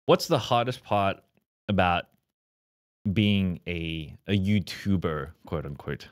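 Man, low voice, podcast host, dry close studio mic, relaxed. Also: no echo. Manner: relaxed, stumbles and restarts, reads ads briskly. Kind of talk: casual podcast interview. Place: dim studio set. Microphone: boom-mounted studio mic.

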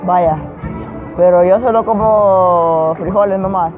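Loud high-voiced young prankster. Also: male voice, fairly even intonation, takes it slowly. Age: young adult. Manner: loud, exasperated, swearing. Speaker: prank youtuber. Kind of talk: street prank comedy. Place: outdoor town plaza. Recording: tinny lo-fi audio, music and crowd behind.

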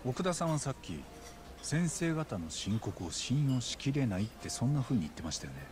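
An actor playing a laconic, streetwise detective in a video game drama, probing in a casual, blunt way. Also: male voice, mid-range voice, sing-song, normal speed, background noise, close to an everyday voice. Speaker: private detective. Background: background music.

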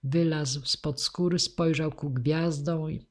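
A woman narrating a classic novel as an audiobook in a measured, even way. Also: sits low. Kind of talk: scripted narration.

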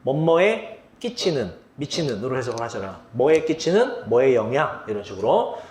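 A man's voice: medium pitch, very animated, moderate pace, darkish tone, slight background noise. A man teaching English vocabulary for an exam, asking the students questions and then answering them himself. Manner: quizzing students, answering his own questions. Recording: echoey room.

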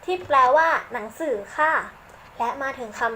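A woman teaching young children English letters in a gentle, patient, praising way. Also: high voice, moderate pace, slight background noise, poor audio. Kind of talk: children's lesson, slow and encouraging.

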